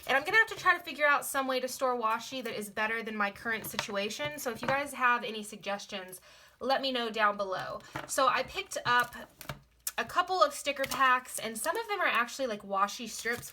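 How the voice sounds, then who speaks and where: A young planner vlogger chats casually through a sticker haul, gushing and repeating words. Her fairly high voice is slightly hoarse because she's been sick, and there's background noise.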